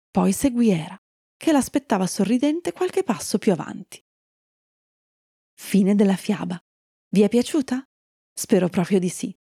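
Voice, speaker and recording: A woman narrating a fairy tale for children, telling it in a calm storytelling manner and greeting young listeners at the end. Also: medium pitch, slightly rough, dry recording, studio quality.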